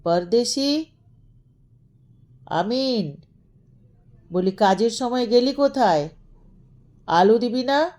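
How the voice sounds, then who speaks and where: An imperious old gentleman of a grand house, played by a female narrator, pitched somewhat above her storytelling voice. He grumbles and scolds like someone used to ordering servants about, in the manner of a storybook ghost tale. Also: expressive, slow pace, long pauses. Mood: imperious scolding.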